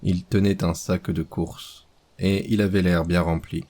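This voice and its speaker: A man reading a horror story aloud as scripted narration, slow and measured. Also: deep voice, flat delivery, dark tone.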